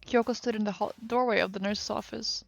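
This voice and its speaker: A woman's voice: medium pitch, fairly even intonation, a little fast, creaky, muffled recording, faint music behind. A woman streamer reading a game's story aloud live, narrating and doing all the parts.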